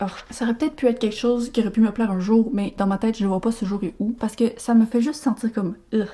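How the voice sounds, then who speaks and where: A fairly high-pitched woman's voice, dark, mellow and somewhat breathy, in a Quebec accent. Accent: Québécois. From Quebec, Canada. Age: 20s. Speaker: book reviewer. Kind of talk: casual talk to camera.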